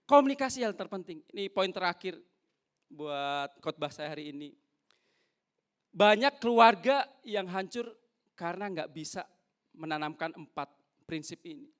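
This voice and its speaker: A young male pastor preaching a sermon in church, lively, acting out little exchanges between husband and wife. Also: high voice, normal speed, pauses often. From North Sulawesi, Indonesia. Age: young adult.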